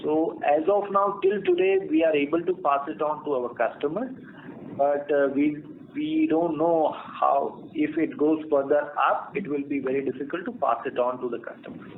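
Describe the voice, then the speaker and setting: A man with an Indian accent speaking as a company executive on an earnings conference call, explaining in a halting way. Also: a little high, big pitch swings. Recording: tinny phone line with clear noise.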